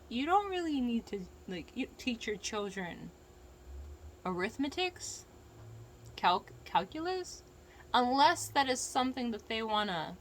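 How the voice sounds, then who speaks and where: A woman's voice: mid-range voice, a little hiss or hum, poor audio. An American woman with a lisp, talking casually and frankly in a rambling, profane, opinionated rant to viewers. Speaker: vlogger giving opinions.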